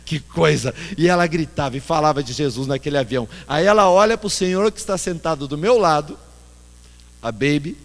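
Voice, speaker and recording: A man's voice: on the high side, fairly quick. A male pastor preaching a sermon and telling self-mocking stories, recorded in a church hall with long reverb. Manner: animated storyteller, self-mocking. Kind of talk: sermon with anecdotes.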